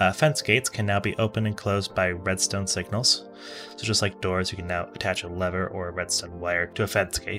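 Over music in the background, a man talks at a fairly quick pace in a very deep, low pitch with ordinary pitch variation. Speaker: game mod developer. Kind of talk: software update announcement. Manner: casual.

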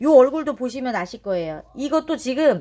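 Delivered at a moderate pace, this animated, cheerful voice swings very widely in pitch over a quiet background. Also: woman. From South Korea. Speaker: succulent plant channel host. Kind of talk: casual vlog unboxing chat. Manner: animated, chatty, cheerful. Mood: warm, delighted. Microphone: phone near.

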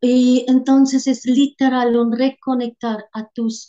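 A German accent against a quiet background. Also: woman. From Austria, small Alpine village. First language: German (speaking Spanish). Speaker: holistic therapist; guest. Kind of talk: interview. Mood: warm, reflective. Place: home room. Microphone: video call.

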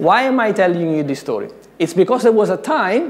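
Speaking with an Italian accent, a man with high pitch uses lively intonation. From Italy, Naples. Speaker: conference speaker, tech leader. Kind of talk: conference talk. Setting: stage with audience. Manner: fast talker. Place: hall. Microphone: podium.

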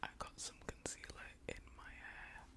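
A woman whispers her words at a very slow pace. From London, England. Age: 20s. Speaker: makeup and ASMR content creator. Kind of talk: ASMR makeup tutorial talking to camera. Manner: quiet, soft-spoken, relaxed. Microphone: studio mic.

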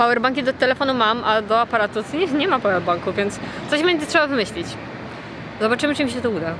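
Over noticeable background noise, a woman speaks at a very fast pace in a high pitch. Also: dry sound with no echo. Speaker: vlogger. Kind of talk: casual vlog chat. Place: garden. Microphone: phone near.

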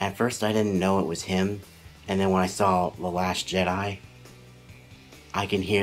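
A man's very deep, low voice at a moderate pace, with fairly even intonation, long, frequent pauses, and music in the background. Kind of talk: casual talk to camera. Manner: flat, monotone.

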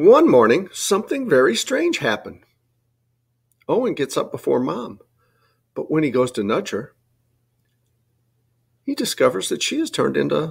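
With a slightly husky edge and vocal fry, a man talks at a fairly slow pace and fairly high pitch, swinging very widely in pitch and taking long, frequent pauses.

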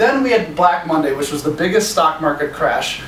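The intonation is lively. Some room echo is audible, with light background noise. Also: man. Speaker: financial advisor. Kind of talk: educational talk to camera. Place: office.

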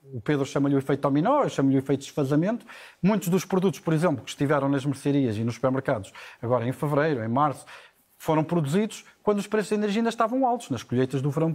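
Against a quiet background, a man speaks with a European Portuguese accent. His fairly high voice moves at a very fast pace with lively intonation. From Portugal. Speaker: economist; economics commentator. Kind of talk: TV news analysis. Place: studio. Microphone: lapel.

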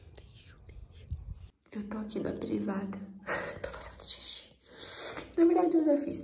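A woman talks at a moderate pace, her loudness swinging widely. Audible room echo and light background noise are present. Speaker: vlogger. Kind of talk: casual vlog chat. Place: bathroom. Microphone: phone near.

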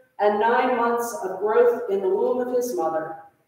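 A woman is speaking. Strong room echo surrounds her voice. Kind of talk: liturgical reading. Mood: solemn, measured. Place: church.

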